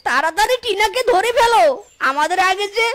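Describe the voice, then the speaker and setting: A woman voicing an excitable male fox, squealing and exclaiming. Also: extremely high pitch, fairly quick, slight background noise.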